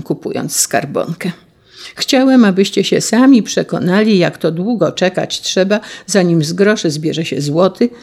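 Brief: kindly stern old grandfather, voiced by a woman narrator, raspy. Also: fairly low pitch, a little mellow, full character voice. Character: wise, gently teasing old grandfather.

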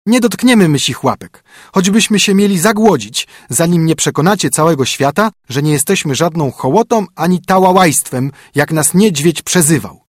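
A man doing shrill outraged baby birds. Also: expressive, normal speed, dry recording, studio quality. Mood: indignant. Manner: raised, outraged. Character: indignant shrill young wren chicks.

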